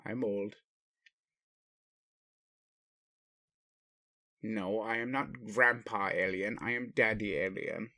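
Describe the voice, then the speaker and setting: A man playing an ancient alien father in a roleplay audio, speaking formally with pauses to his adopted human, fond and bemused. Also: lowish voice, fairly even intonation, pushed and bright. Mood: dry, teasing. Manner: slow, formal phrasing with pauses, addresses listener as human. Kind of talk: roleplay audio addressed to the listener.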